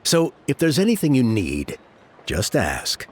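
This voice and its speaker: An actor playing a stern, protective middle-aged tribal elder and father in a game, with a measured, formal way of speaking. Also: mid-range voice, huge pitch swings, husky, exaggerated voice.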